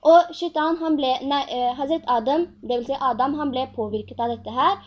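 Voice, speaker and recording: A woman teaching a religious lesson in an earnest way, often posing rhetorical questions to her students. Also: high voice. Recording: dull lo-fi recording.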